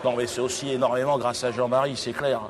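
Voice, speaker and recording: A man from Cameroon performing a provocative stand-up monologue on a theater stage, breaking into loud exclamations. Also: medium pitch, little pitch movement, quick pace. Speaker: stand-up comedian. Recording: noisy live show recording.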